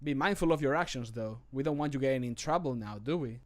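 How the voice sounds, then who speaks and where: A native Spanish-speaking man voices a stern city guard in a fantasy game, scolding and warning in a deliberate manner. His voice is mid-range and sounds natural.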